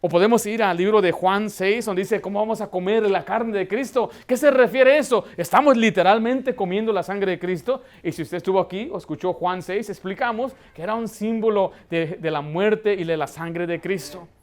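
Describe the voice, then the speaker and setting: A man's voice: high-pitched, moderate pace, hardly any pauses. A man preaching a Baptist sermon as pastor, telling stories and raising his voice to stress a point. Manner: preaching with anecdotes, voice rising for emphasis.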